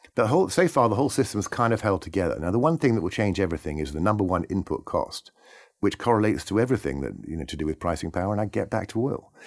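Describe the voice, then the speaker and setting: In a very clean recording with a silent background, a man with a British accent speaks very fast at a fairly low pitch with lively intonation. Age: 40s. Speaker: fund manager. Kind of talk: interview.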